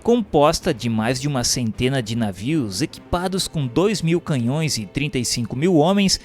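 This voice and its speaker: Brazilian guy narrating a scripted history piece, serious and formal, mid pitch, music playing behind. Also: expressive, moderate pace, a little mellow. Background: music bed.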